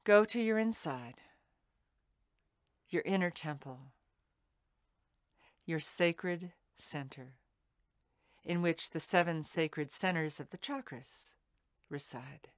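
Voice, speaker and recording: A woman with a fairly low voice leads a guided meditation very slowly. Her phrasing is soothing and deliberate, with pauses between phrases, and the sound is dry and close, free of room echo. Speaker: meditation teacher.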